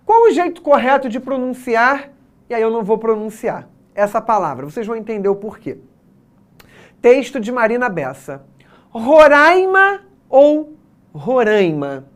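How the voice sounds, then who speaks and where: Teaching an exam prep class, this Brazilian Portuguese–accented woman breaks things down step by step and keeps checking in with her students. Her pitch is fairly high.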